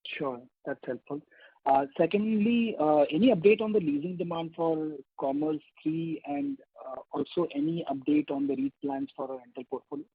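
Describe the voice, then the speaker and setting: A man's voice: fairly high pitch, sing-song, moderate pace, husky, no echo. A man with an Indian accent, a financial analyst, puts questions to management on an earnings call. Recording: tinny, dry phone line.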